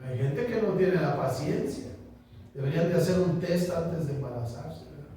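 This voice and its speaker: Man, pastor, high voice, joking conversational sermon, recorded from afar in a reverberant church. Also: normal speed, mellow. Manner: chatty, asks the congregation questions, jokes. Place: small church. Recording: echoey church room, distant mic, faint noise.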